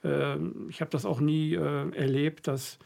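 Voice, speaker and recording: A middle-aged interviewer from western Germany speaks in a fairly high, gravelly voice. He talks haltingly and thoughtfully, pausing to find his words as he tells his own stories. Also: steady tone, darkish tone. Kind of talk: casual conversation.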